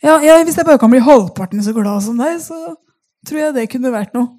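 A woman voicing the quoted words of a frail female hospital roommate in her thirties, who turns eager and excited. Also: high-pitched. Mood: hesitant.

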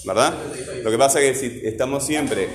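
Firm teacher, echoey classroom. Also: male voice, mid-range voice, normal speed, noisy background. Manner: firm, insistent, tags sentences with "¿verdad?". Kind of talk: classroom teaching and scolding a student. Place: school classroom.

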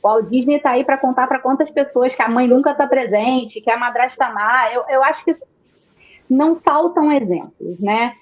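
A Carioca woman from Rio de Janeiro, Brazil, sits on a panel chatting informally about films, her speech full of Rio street slang and casual cursing. Her voice is high-pitched and her pace moderate. The recording sounds lo-fi.

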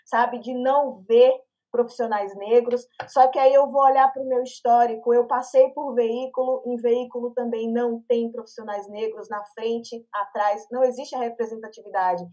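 A Brazilian woman speaking as a guest in a casual live panel chat, an animated and expressive storyteller on a video call. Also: fairly high pitch, normal speed, few pauses. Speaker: panel guest, media professional. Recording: lo-fi online call audio.

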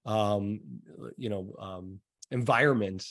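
A man's voice: on the low side, slow, a bit bright. A man with an American accent hosting a podcast, interviewing in a casual, rambling way with repeated words. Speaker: podcast host.

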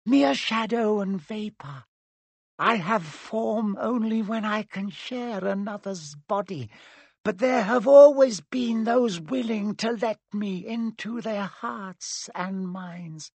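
A high, slow, hissing dark lord. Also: male voice, dry recording, heavily acted. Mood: menacing. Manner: slow, high, breathy and menacing. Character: hissing dark lord, a face on a man's head, cold and menacing.

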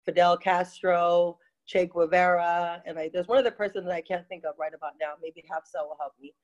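A woman in her forties who was born in Ghana, telling her story as a guest in an interview, rambling with many pauses and restarts. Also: on the low side, steady tone, darkish tone, lo-fi sound. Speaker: guest, taco business owner.

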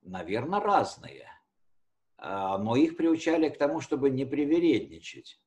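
A man's voice: mid-range voice, big pitch swings, unhurried, a little mellow, dull audio. A man teaching history conversationally, explaining with hesitations and rephrasing his key words as he goes.

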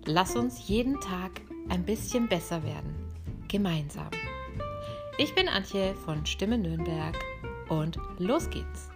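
A woman, hosting a podcast lesson as a vocal coach, talking directly and lively to the listener. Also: lowish voice, slow pace, loud music behind the voice. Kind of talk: podcast lesson on singing technique.

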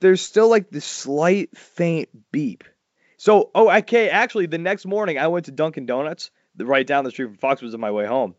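A loud, animated man, chatting as a podcast host. His voice sits a little high and leaps up further when a story excites him. The sound is dry and a bit dull, like a lo-fi recording. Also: moderate pace, no echo. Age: 40s. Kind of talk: casual chat.

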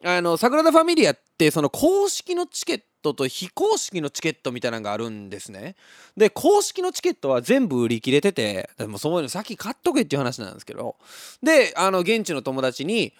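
A man's voice: on the high side, a little fast, dry recording, studio quality. Chatty man. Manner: chatty, laughs often, lively storytelling with sound effects. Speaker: podcast host reading listener messages. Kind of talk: casual chat.

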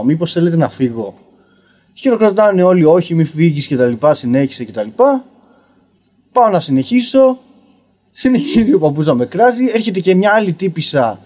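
A young man telling a story casually on a podcast as a guest comedian, rambling and filling pauses with "you know". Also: high-pitched, dark tone. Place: basement podcast studio.

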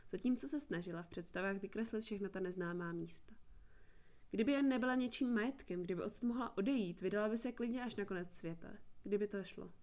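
A woman's voice: medium pitch, a little mellow. Woman narrating a fantasy audiobook.

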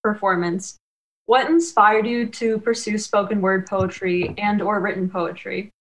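A young woman hosts a podcast episode in a mid-pitched, easy voice. She talks loosely and casually, dropping "like" into her sentences. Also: fairly even intonation, unhurried, rough recording. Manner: casual, peppered with "like". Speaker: podcast co-host.

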